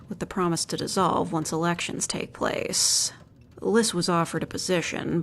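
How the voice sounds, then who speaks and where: A woman acts a friendly jeweler in a high fantasy audio drama. Her voice sits a little low and she talks casually, like an old ally. There is faint noise behind her. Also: vocal fry. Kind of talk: fantasy audio roleplay acting.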